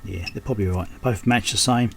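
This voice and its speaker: A man's voice: on the low side, fast, vocal fry, slightly rough. A man giving unscripted hands-on repair commentary, thinking aloud in short, muttered fragments as a technician at his bench. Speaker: electronics repair technician and host. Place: indoors at an electronics repair workbench.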